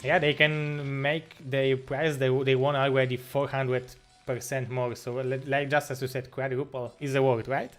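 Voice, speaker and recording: A Polish man co-casts a strategy game in a mid-pitched voice, often repeating words. His phrasing shows that Polish is his first language. Faint music runs behind him. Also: flat delivery, fairly bright tone. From Poland. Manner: halting, repeats words, non-native phrasing. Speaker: co-caster. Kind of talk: esports commentary.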